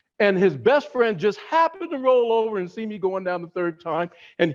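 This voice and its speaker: A man with an American accent talks with very wide pitch swings. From US Northeast (New Jersey, Massachusetts), army brat. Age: 60s. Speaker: public speaker. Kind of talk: speech to audience.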